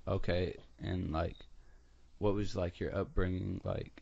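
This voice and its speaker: A man's voice: deep voice, flat delivery, unhurried, creaky, darkish tone, no room sound, lo-fi sound. A young man hosting a podcast, asking questions in an easygoing way full of filler words. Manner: lots of "like" and "um", easygoing. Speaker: podcast host. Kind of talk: casual interview chat.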